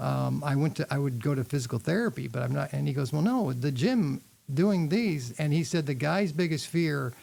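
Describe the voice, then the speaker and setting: Somewhat breathy, a man speaks in a fairly high voice with a dark, mellow tone. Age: 60s. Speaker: exercise physiologist. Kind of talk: casual chat. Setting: studio. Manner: animated.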